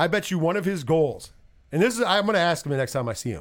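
A man has an unremarkable speaking voice. He moves at a fairly quick pace with lively intonation. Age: 30s. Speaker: wrestling podcast host. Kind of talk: casual chat. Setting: live stream.

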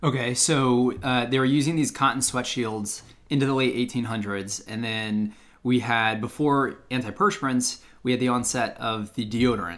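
In a very clean recording with a silent background, a man with an American accent speaks at a moderate pace and medium pitch. He has a normal speaking voice with ordinary pitch variation. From US South, Atlanta. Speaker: podcast co-host. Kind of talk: casual chat.

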